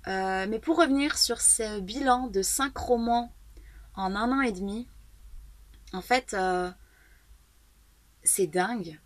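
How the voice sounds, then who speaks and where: A woman in her thirties muses about her craft in a relaxed, personal monologue, often pausing and restarting as she gathers her thoughts. Her voice sits at an ordinary middle pitch. The sound is close and dry, with no room echo. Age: 30s. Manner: thoughtful, hesitant, many fillers and restarts. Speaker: author and video blogger. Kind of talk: casual reflective monologue.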